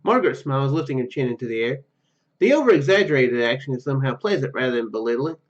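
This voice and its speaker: A man doing a let's play, reading story text aloud haltingly and dropping in casual asides. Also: medium pitch, lively intonation, muffled recording. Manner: halting, stumbles over read words. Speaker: gaming YouTuber.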